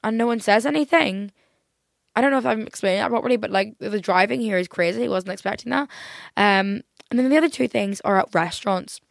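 A young woman with a softened Northern Irish accent, chatting casually in a rambling, exaggerating way as a podcast host. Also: medium pitch, fast talker, gravelly, dry recording, clean studio sound. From Northern Ireland. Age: young adult.

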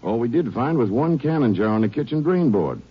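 A man's voice: mid-range voice, sing-song, fairly quick, husky. A man acting a folksy, cooperative county sheriff in a 1950s radio western, informal and plainspoken. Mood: surprised, informal. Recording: muffled, noisy 1950s radio recording.

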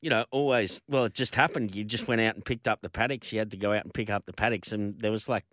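A man's voice: on the low side, steady tone, quick pace, a bit bright, dry recording, studio quality. Rambling male host. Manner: rambling storyteller, lots of fillers. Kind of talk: casual chat.

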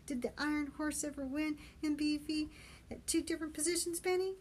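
Woman voicing Patty, high-pitched scared young Marine. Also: fairly even intonation, fairly quick, darkish tone, slight background noise, natural voice. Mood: shouting, defiant. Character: scared, exhausted but stubborn boy Marine, Patty.

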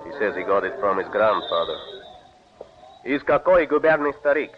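An actor playing a brisk, dismissive army lieutenant who interprets, in a 1940s radio drama. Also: male voice, fairly low pitch, sing-song, crowd noise. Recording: muffled old radio recording.

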